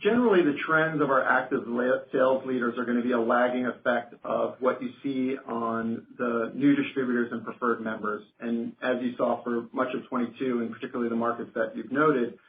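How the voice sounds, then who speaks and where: A man's voice: medium pitch, steady tone, a little fast, hardly any pauses. A man speaking formally as a finance executive presenting on a company earnings call. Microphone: conference phone call. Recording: roomy phone line with noticeable hiss.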